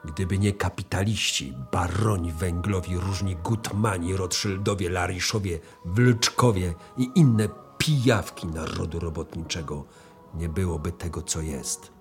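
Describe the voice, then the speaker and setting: Actor as slow, deep-voiced preachy miner. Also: male voice, soft background music. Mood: bitter, solemn. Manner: preachy, emphatic, oratorical. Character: stern, embittered socialist miner lecturing children. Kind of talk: radio play acting.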